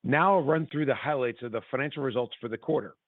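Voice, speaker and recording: A man's voice: mid-range voice, fast, dry recording. Man on a phone line, formal presentation. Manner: formal, businesslike. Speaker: company executive presenting quarterly results. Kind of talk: scripted earnings call presentation. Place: conference call line. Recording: tinny phone-line sound.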